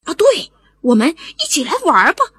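A woman's voice: sits high, huge pitch swings, fairly quick, a bit bright, no echo, heavily acted. A woman voicing a friendly, loyal white horse who talks in a hearty, helpful way. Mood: eager.

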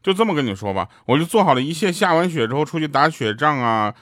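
A man from Northeast China with a Northeastern Mandarin accent, casually telling comic stories. He chats, laughs at his own jokes and gets loud at the punchlines. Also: on the high side, expressive, fast, no echo, studio quality.

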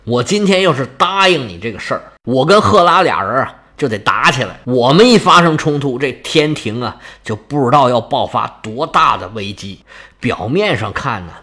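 A man voicing the male king of the gods, speaking low and hushed, guarded and boastful. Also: animated, moderate pace.

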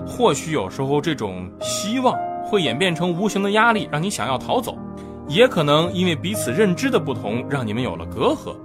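Lively male comedy talk-show host. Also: a little high, brisk, music in the background. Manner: lively storytelling. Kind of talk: scripted comedy monologue.

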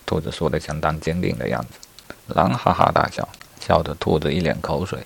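Deep gravelly male storyteller. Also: normal speed. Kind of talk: storytelling narration.

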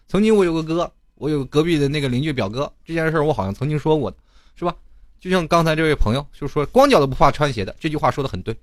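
A young man tells stories in a comedic monologue. His pitch leaps and dips in a very animated way, and he throws in rhetorical asides and chuckles as he goes. His voice sits dry and close, with no room sound. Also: rapid-fire, no room sound. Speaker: host.

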